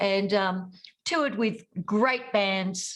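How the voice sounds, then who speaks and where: A woman is speaking. She has an Australian accent. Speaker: transformation teacher and former singer. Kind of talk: interview.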